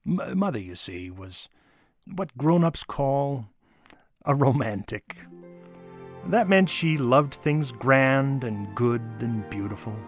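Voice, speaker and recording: A man giving a theatrical, expressive dramatic reading of a childhood holiday memoir, with wonder and deliberate pauses. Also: medium pitch, no room sound. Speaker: storyteller. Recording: music under the voice. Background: music.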